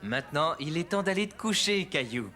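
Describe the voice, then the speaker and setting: A man's voice: on the high side, animated, fairly quick, pushed and bright. A man playing a patient, cheerful young father in a children's cartoon. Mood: gently firm. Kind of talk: French-language children's cartoon dialogue.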